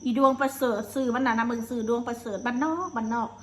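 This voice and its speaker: A woman's voice: fairly high pitch, level tone, fast. A woman with a Lao accent, live streaming alone and angrily cursing and hurling insults. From Laos. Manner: angry, cursing, insulting tirade. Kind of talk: solo live-stream rant.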